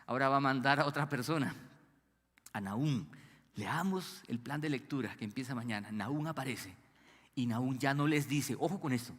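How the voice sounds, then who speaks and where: Preaching in a big church hall, this pastor speaks at a normal speed with a medium, somewhat bright voice. He leaves gaps in his sentences for the congregation to fill in aloud.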